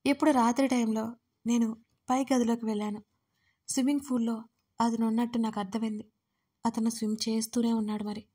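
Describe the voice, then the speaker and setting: A woman narrates a dramatic audio story in the first person. Her delivery stays even and flat, with little rise and fall, and her voice sits a little high. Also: fairly quick, pauses often, breathy edge.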